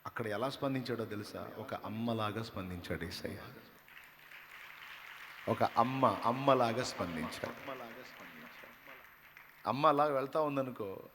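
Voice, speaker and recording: Male pastor, sermon, bright ringing voice, long church reverb, shifts from hushed to loud. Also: mid-range voice, slight background noise. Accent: Telugu. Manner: swings from hushed storytelling to loud, rising declarations. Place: church hall.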